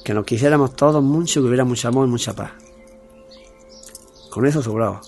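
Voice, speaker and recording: A man's voice: medium pitch, brisk, darkish tone, soft background music. A man, speaking as an interview guest in an earnest, plain-spoken, repetitive way. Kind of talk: earnest personal testimony.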